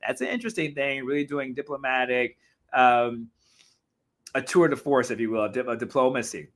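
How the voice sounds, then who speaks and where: Reacting to viewer comments on his live talk show, a man chats casually at a medium pitch and normal speed. His voice is slightly hoarse, and his animated delivery features frequent self-corrections.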